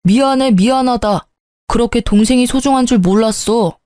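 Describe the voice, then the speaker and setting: A woman's voice: a little high, moderate pace, dark tone, dry recording, clean studio sound, natural voice. A woman voicing a two-faced young groom-to-be, brash and then pleading. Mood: grudging. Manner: brash, pleading when cornered.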